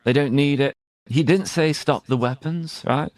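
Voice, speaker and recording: A British man, an English teacher, talking casually about current affairs in a searching, halting way with rhetorical questions. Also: a little high, no echo, studio quality. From Britain. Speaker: English teacher and conversation host.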